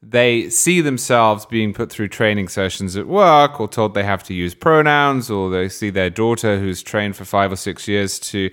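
A man on a podcast panel, making a measured, deliberate political argument. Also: on the low side, a bit bright, clear, resonant tone. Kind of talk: political discussion.

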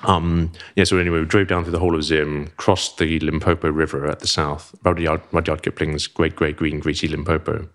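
A man's voice: a bass voice, flat delivery, fairly quick, hardly any pauses, fairly bright tone. A middle-aged man with a Zimbabwean accent telling a long story as a podcast guest, rambling and self-deprecating, swearing freely. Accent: Zimbabwean English. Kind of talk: casual storytelling.

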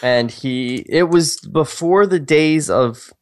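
A man's voice: a little high, slow pace. A man co-hosting a podcast, chatting casually and reading a screenplay aloud, with a self-mocking, profane way of talking. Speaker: podcast co-host.

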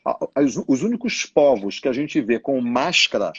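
A man's voice: mid-range voice, animated, moderate pace, breathy edge, no room sound, highs cut off. A man talking business trends in a casual, emphatic way, often voicing what others might think. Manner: colloquial, emphatic, acts out others' thoughts. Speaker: business educator.

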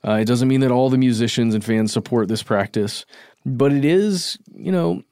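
A man's voice: mid-range voice, normal speed, warm tone, dry recording. A man co-hosting a podcast, talking things through in a casual, thoughtful way and qualifying his points. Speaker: podcast co-host. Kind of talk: casual discussion.

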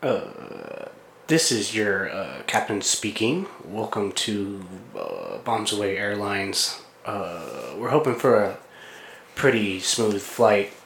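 A podcast host putting on a male airline captain making a halting intercom announcement full of pauses and fillers. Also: fairly low pitch, sing-song, vocal fry, fairly bright tone, roomy sound, slight background noise, voice pushed down, heavily acted. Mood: deadpan.

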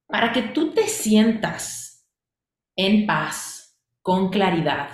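A woman's voice: mid-range voice, sing-song, very slow. Emphatic woman coach in an echoey room. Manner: emphatic, questioning, lists in repeated phrases. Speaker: coaching instructor. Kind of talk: coaching class demonstration.

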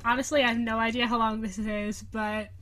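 A woman's voice: fairly high pitch, little pitch movement, brisk, a bit bright. Bubbly young woman podcast host. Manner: giggly, bubbly, lots of fillers. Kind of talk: casual chat. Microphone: video call recording.

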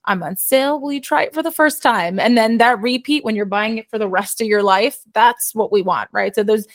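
A woman's voice: a little high, a little fast. A woman guest in an interview, a company co-founder speaking confidently and finishing her partner's sentences. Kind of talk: casual interview answers.

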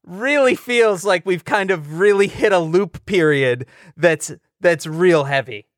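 Wry man, slightly high voice. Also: a little slow, no room sound, studio quality. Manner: wry, deadpan musing. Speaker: podcast co-host. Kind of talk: casual comedic chat.

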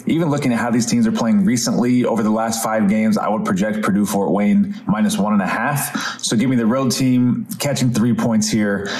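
Analyst guy giving his bet, lowish voice, echoey room. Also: steady tone, darkish tone. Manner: brisk, plain delivery of a betting pick. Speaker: betting analyst. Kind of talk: recorded pick segment.

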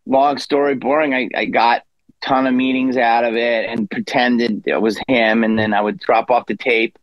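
A man's voice: mid-range voice, little pitch movement, moderate pace, no echo, lo-fi sound. Rambling storyteller, man in his fifties. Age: 50s. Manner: rambling with self-deprecating asides and laughs. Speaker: guest comedian. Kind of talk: casual interview storytelling.

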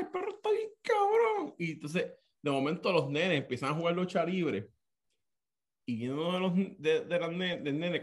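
A man telling a story in casual, profane chat and acting out other people's lines. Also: fairly high pitch. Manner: animated and profane, acts out voices.

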